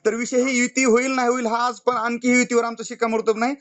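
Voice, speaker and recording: A man with a very high voice speaks extremely fast in a Marathwada Marathi accent. He presses his complaint heatedly, pleading and arguing over a recorded phone call. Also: flat delivery, a bit bright. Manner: insistent, pleading, argumentative. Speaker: party youth wing office-bearer.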